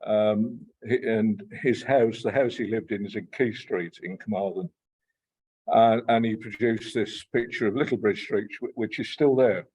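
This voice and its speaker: A man with a Black Country accent giving an informal lecture to a local society, halting and full of fillers and repeated words. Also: lowish voice, fairly even intonation, darkish tone, slightly rough, rough recording. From Black Country, England. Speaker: guest lecturer.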